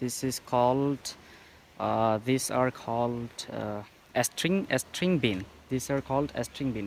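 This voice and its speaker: The man's pitch is medium. He speaks at a fairly slow pace. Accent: Bengali. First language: Bengali. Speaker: English teacher. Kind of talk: tutorial. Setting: outdoors. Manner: halting, many filler sounds.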